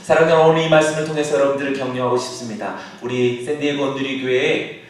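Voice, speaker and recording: A male pastor preaching a sermon, now and then bursting into shouted calls as he acts out a scene. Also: medium pitch, fairly even intonation, fast. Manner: acts out shouted calls across the water, then drops to a soft aside. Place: church sanctuary. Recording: echoey church hall, heard from a distance.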